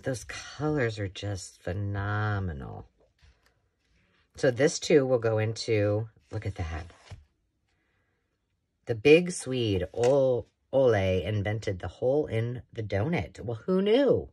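A woman's voice: very deep voice, big pitch swings, takes it slowly, dark tone, husky. A woman hosting a casual show-and-tell of thrifted books, chatty and rambling with enthusiastic asides, filmed indoors at a craft table. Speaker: craft channel host.

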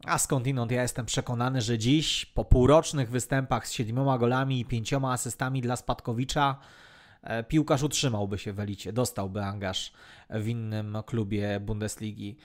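A man's voice: mid-range voice, fairly even intonation, moderate pace. A man hosting a sports podcast, presenting in prepared, articulate sentences and steering the discussion. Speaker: podcast host.

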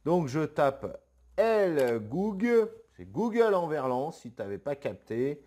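A man's voice: a little high, big pitch swings, takes it slowly, darkish tone. A young man hosting a web marketing video, joking and swearing casually through a screen demo.

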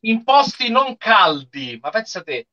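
A man's voice: high-pitched, big pitch swings, unhurried, sharp tone. A man giving casual commentary in a group anime watch-along over a video call. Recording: dull, lo-fi video-call audio.

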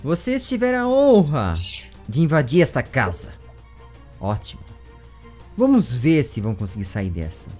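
A man's voice: huge pitch swings, moderate pace, long pauses, darkish tone, faint music behind. Brazilian man doing a theatrical temple-guardian knight, menacing, wide swooping delivery. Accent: Brazilian Portuguese. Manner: theatrical, booming riddle-master delivery.

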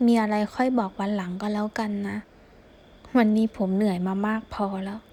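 A woman's voice: mid-range voice, steady tone, brisk, dark tone, lightly acted. A woman voicing an anxious, sulky young man who pleads and protests in a raised, insistent voice.

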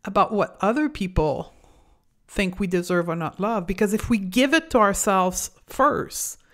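A woman with a French accent hosting a solo podcast, talking in an earnest, deliberate and reflective way. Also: mid-range voice, a bit bright. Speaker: podcast host.

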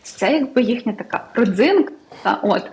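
Young woman tutor from ukraine, chatty, lots of fillers, kinda high voice. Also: normal speed, low-quality recording. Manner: chatty, lively, many fillers. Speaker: English tutor guest. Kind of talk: casual studio interview.

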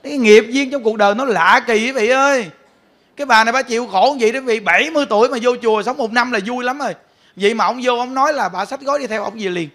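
This man is a Buddhist monk delivering a sermon full of lively stories, frequent laughter and direct address to the audience. He talks fast in a very high voice.

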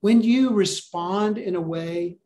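A man's voice: high voice, takes it slowly, mellow. Earnest man preaching over a video call. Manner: earnest, encouraging, asks the listeners questions. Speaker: pastor. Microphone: video call webcam.

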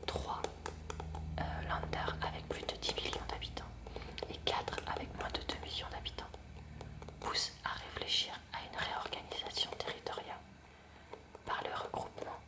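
Whispering woman reading a lesson. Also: far from the mic. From France. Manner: soft unvoiced whisper, slow careful reading. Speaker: ASMR creator. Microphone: close mic near hairbrush on a table.

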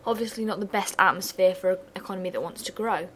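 Hoarse young woman teaching economics. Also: medium pitch, fast talker, fairly bright tone. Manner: chatty, explains with asides. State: hoarse, losing her voice. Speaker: student revision tutor. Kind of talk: casual revision lesson.

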